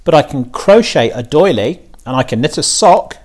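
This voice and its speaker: A man's voice: a little high, expressive, normal speed, voice pushed up. A man voicing an anxious, plain-minded farm mother in a children's storybook, with a fretful, questioning manner. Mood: puzzled, uneasy.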